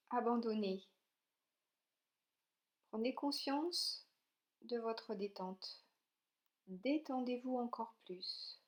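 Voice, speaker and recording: A woman leading a guided yoga relaxation, speaking calmly and soothingly in short, gentle instructions with pauses between them. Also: a little high. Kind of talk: slow guided meditation narration.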